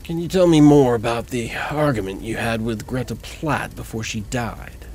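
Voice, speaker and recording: A man voicing a calm, measured male knight questioning suspects. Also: medium pitch, echoey room, slight background noise, natural voice.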